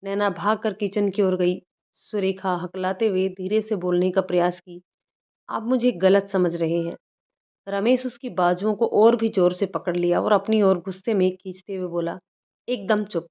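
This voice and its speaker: A woman hosting a story channel, reading the narration in a steady storybook manner. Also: mid-range voice, normal speed. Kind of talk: scripted narration. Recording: dull lo-fi recording.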